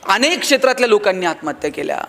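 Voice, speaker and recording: A man's voice: sits high, big pitch swings, racing, creaky, sharp tone. A man giving a humorous motivational speech on stage, telling stories and acting out the dialogue. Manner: storytelling with acted-out dialogue and jokes. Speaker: motivational speaker.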